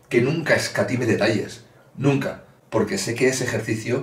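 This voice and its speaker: Audible room echo surrounds a man's voice. His intonation stays fairly even. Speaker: fitness coach. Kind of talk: casual vlog chat. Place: home room. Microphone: webcam.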